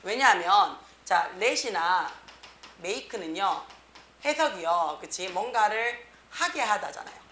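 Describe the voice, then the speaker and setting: A woman's voice: medium pitch, takes it slowly, a little hiss or hum. A woman teaching an English grammar class, checking in with the students after nearly every phrase. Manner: tag question after nearly every phrase, lively reading. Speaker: English teacher at a cram school. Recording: echoey room.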